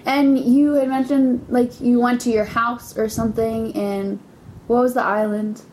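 A woman's voice: on the high side, flat delivery, measured pace, a little mellow, slight background noise, poor audio. A woman interviewing a guest, asking curious, prompting questions in a casual way.

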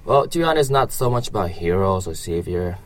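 Young vietnamese guy w accent, super low voice, rambles w lots of fillers, bit of background noise. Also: expressive. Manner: halting, rambling with frequent filler phrases. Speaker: interviewee. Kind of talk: casual interview answers.

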